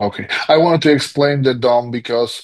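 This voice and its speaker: With a non-native accent, a man speaks at a medium pitch and moderate pace with fairly even intonation, against a quiet background. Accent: non-native English speaker. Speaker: podcast host. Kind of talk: podcast interview. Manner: halting.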